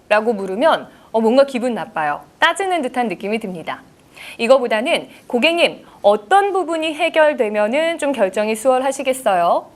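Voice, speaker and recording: A young adult woman, a trained announcer, giving a polished scripted lecture on sales talk and acting out sample customer questions. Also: sits high. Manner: polished, clearly articulated delivery that acts out sample customer dialogues.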